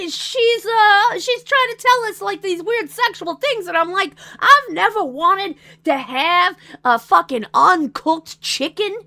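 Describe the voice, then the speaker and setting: A woman's voice: very high voice, bright, forceful tone, pitched above the performer's own voice, heavily acted. A woman putting on a rowdy Canadian man from Ontario who rambles crudely with lots of fillers.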